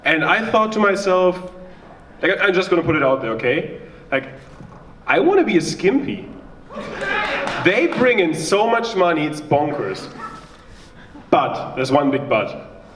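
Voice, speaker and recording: A man's voice: a little high, big pitch swings, unhurried, pauses often, a bit bright, roomy sound, recorded from a distance, a little hiss or hum. A young man from Germany with a German accent, doing a chatty, self-mocking stand-up set and bantering with the crowd. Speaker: stand-up comedian. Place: small live venue with audience.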